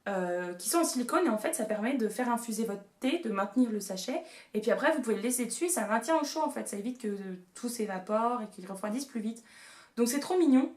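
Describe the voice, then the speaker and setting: A young woman in her twenties talks through a shopping haul at home, gushing over every find with playful asides. Her voice sits on the higher side. The camera mic picks up a noticeably echoey room. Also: animated, fast talker, darkish tone. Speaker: beauty and haul vlogger. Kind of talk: casual haul video chat.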